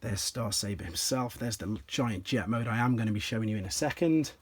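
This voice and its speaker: A slightly hoarse man, an enthusiastic toy collector, casually explaining and demonstrating pieces from his collection step by step, with frequent ums. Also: on the low side, a little fast, a little hiss or hum. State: slightly hoarse, clears throat.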